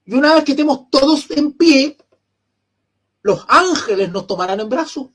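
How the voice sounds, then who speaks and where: A man's voice: very high voice, expressive, moderate pace. Chilean man teaching a Bible lecture. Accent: Chilean Spanish. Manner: teaching, repeats phrases and asks the class questions; frequent throat clearing. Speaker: theology teacher.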